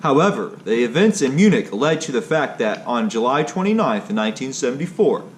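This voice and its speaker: A man's voice: mid-range voice, very animated, a little fast. Man stiffly reading history, faint background noise. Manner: stilted reading, stumbling on hard words. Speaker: narrator. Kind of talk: read-aloud history narration.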